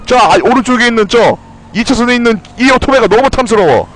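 A young man giving loud, excitable commentary while playing a video game, swearing and shouting at what happens on screen. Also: extremely high pitch, quick pace, a little hiss or hum, low-quality recording. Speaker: gameplay streamer.

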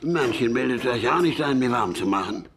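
An actor playing a gruff, stubborn, solitary old gunsmith in a radio play, speaking in curt, grumbling sentences. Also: male voice, mid-range voice, expressive, a little fast, background noise, lightly acted. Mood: grumpy, dismissive. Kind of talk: German radio play acting.

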